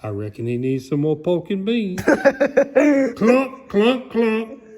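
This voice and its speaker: A folksy cartoon alligator with a drawl, hams up a storybook reading. The pitch sits fairly high and leaps around as he tells it theatrically, easily tickled by his own tale. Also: expressive, takes it slowly, darkish tone, heavily acted. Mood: amused. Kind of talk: dramatic storybook reading, played for comedy.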